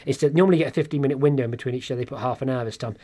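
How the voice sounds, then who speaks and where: Male stand-up comedian with a Black Country accent, animated storyteller, rapid delivery. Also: mid-range voice. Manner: animated, restarts and acts out quotes. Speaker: stand-up comedian, studio guest. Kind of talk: casual storytelling chat. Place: pub.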